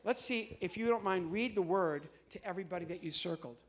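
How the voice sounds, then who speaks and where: High-voiced middle-aged American comedian, a man. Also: fairly quick. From Midwestern United States. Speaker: comedian and entertainer. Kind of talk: live stand-up comedy patter to an audience. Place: on stage in a large church hall.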